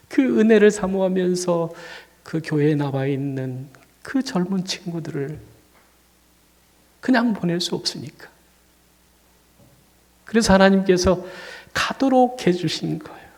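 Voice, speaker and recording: A man's voice: on the high side, vocal fry, darkish tone. A male pastor tells a personal story in a sermon. He is fighting a cold, and he talks conversationally but rises to emphatic peaks on key points. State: fighting a cold and feeling dizzy. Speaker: senior pastor. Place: church sanctuary. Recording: long church reverb.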